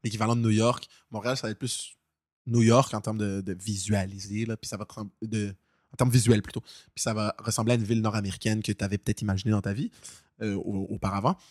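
A man's voice: on the low side, no echo, clean studio sound. A young man in his twenties with a Québécois accent, co-hosting a casual podcast and telling stories with lots of restarts. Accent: Québécois French. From Quebec. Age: 20s. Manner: animated storyteller, fast with many restarts. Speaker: podcast co-host.

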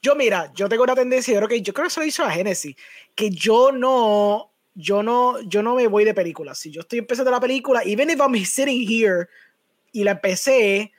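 A man, co-hosting a podcast and chatting in relaxed, reflective Spanglish. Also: high voice, fairly quick, no echo, clean studio sound. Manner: relaxed, reflective, heavily mixing English and Spanish. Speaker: podcast co-host. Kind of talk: casual chat.

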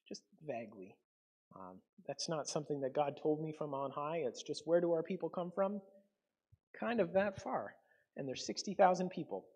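A man's voice: fairly high pitch, darkish tone, breathy edge, highs cut off. A man from Canada preaching a conversational sermon to his congregation, with frequent ums and self-corrections. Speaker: pastor.

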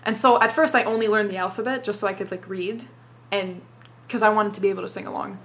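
A woman's voice: mid-range voice, fairly even intonation, fast, fairly bright tone. A young woman who grew up in Dubai and speaks Arabic as her first language, answering questions in a casual interview and swearing freely as she talks. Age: young adult. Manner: casual, swears a lot, says "like" often.

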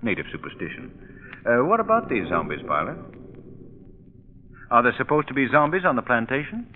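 A man playing an urbane, wry young gentleman adventurer in an old radio drama, polished and inquisitive. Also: medium pitch, sing-song, brisk, big-room sound, natural voice. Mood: questioning. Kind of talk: 1930s radio acting. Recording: tinny old radio, faint background noise.

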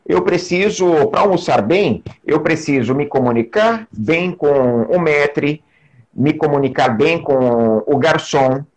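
Husky man explaining in measured tones. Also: on the high side, lively intonation. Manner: measured, explanatory, with filler pauses. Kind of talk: conversational interview.

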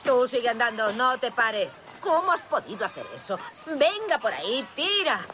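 A woman's voice: a little high, sing-song, normal speed, sharp tone, some chatter behind. An actress playing a firm, caring village mother who scolds and coaxes her grown son. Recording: film soundtrack with clear background noise.

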